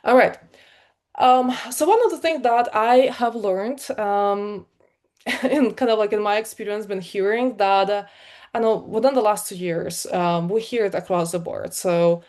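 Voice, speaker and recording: A middle-aged woman with a Ukrainian accent speaks to an online meetup in a talk on product work. Her voice sits at an ordinary pitch, and she keeps a conversational, energetic flow with frequent ums and uhs. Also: moderate pace. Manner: many fillers, energetic and conversational. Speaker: conference speaker, product leader.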